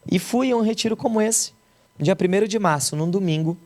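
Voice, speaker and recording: A man's voice: high-pitched, a little fast, a little mellow. A young adult man from Brazil, a pastor, telling the emotional story of his conversion as a testimony.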